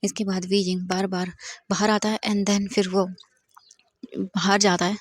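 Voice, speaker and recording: A woman's voice: medium pitch, flat delivery, a little slow, no echo. Woman storyteller, casual retelling, dry and close. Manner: plain narration mixing English words. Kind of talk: casual retelling of fan fiction.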